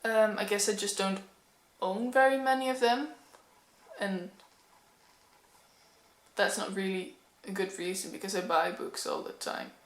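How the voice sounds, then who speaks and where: A young Dutch woman from the Netherlands, a book vlogger, chats candidly to a camera at home in a casual talking-to-camera vlog. She is a little nervous and says um often, speaking in a mid-range voice at a measured pace with a Dutch accent. The room sounds echoey.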